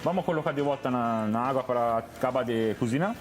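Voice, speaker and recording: Italian-accented man cooking on TV. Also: mid-range voice. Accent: Italian (Tuscan). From Tuscany, Italy. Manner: explains steps calmly, halting Portuguese with Italian words. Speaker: guest chef. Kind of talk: cooking demonstration on TV. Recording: TV studio with background music.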